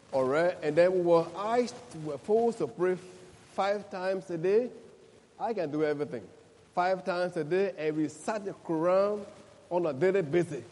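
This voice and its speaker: A man from Liberia with a Liberian accent, a pastor praying and giving his testimony, speaking slowly and deliberately. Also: on the high side, darkish tone. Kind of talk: prayer and testimony sermon. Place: church service. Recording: echoey church hall.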